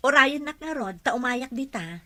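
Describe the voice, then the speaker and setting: A woman's voice: high voice, lively intonation, normal speed, pushed and bright. A woman playing a friendly female caregiver to a mansion boss in an Ilocano audio drama. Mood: chatty.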